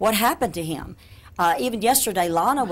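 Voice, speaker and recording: A woman at a very fast pace with a Southern US accent, medium pitch and lively intonation. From US South, Mississippi near Memphis. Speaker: minister and author; guest, minister. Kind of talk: TV talk show interview. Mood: earnest, animated. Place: studio.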